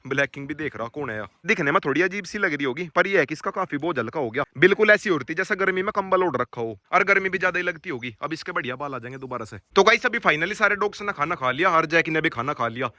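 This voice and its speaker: A man, talking casually to his viewers while he walks his dog farm and shouts to his dogs. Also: a little high, animated, quick pace, few pauses, no echo. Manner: calls out loudly to his dogs. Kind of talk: casual vlog commentary.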